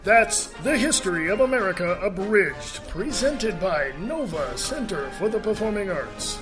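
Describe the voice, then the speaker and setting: A male announcer reads scripted radio material in a measured way. His voice is a little high and his delivery very slow and deliberate. Music plays clearly behind him. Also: big pitch swings. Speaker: radio theater announcer and narrator.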